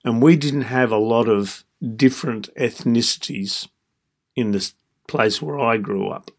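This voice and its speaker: A man in his fifties with an Australian accent, hosting a reflective solo podcast in a measured, deliberate way, breaking his thoughts into short phrases. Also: medium pitch. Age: 50s. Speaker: podcast host.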